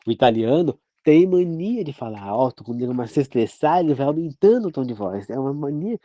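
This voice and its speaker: A man's voice: mid-range voice, sing-song, quick pace, dark tone. A man from Brazil giving an informal, rambling sermon-style talk as a preacher, often checking "entendeu?" with his listeners. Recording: dull, dry, lo-fi sound.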